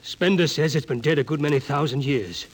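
A man's voice: a little high, fairly quick, natural voice. An American man playing a deferential, earnest expedition officer in a 1950s radio drama. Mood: urgent. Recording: faintly noisy old radio recording.

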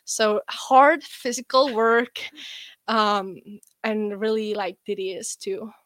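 A young woman with an Estonian accent, a guest athlete chatting in an interview, relaxed and rambling with many fillers. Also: mid-range voice, slow, dry recording. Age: young adult. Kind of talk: casual interview chat.

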